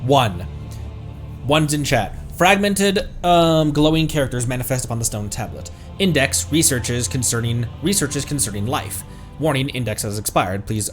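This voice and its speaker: Man reading aloud over background music. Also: medium pitch. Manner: stumbles over long words while reading. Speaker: streamer, video game player. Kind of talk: reading game text aloud with asides on a livestream.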